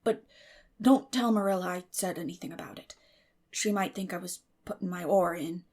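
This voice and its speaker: Lady doing a kindly old farmer guy, hushed whispery, shy n hesitant, audiobook character. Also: on the low side, normal speed, close to an everyday voice. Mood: relieved, secretive. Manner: hesitant, coaxing. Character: shy, gentle, kindly older farmer man.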